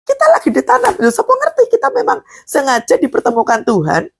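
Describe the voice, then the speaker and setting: A woman, preaching a live devotional sermon, often putting questions to the congregation and rising high on emphatic words. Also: wildly swooping pitch, a little fast, gravelly, fairly bright tone.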